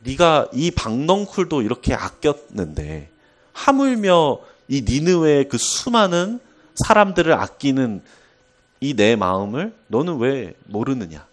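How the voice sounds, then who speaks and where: God rebuking a prophet, slow and measured, mid-pitched , as a male preacher puts him on. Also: big pitch swings. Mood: reproachful.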